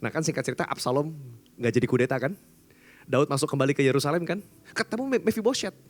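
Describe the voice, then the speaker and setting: A man's voice: mid-range voice, quick pace. A man pastor preaching a sermon in a casual, conversational storytelling manner. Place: church service.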